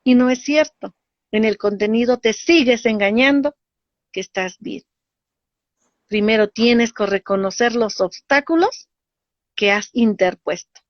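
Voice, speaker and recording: Woman, spiritual teacher, lively, acts out voices, higher voice, dull dry recording. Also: a little slow, pauses often, no room sound. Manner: animated, acts out voices in dialogue. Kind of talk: teaching talk.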